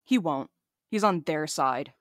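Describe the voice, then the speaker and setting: An actress playing a defiant, sarcastic, blunt courier in an audio drama, talking in a casual way. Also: female voice, deep voice, lively intonation, measured pace, no echo, studio quality. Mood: sarcastic, bitter.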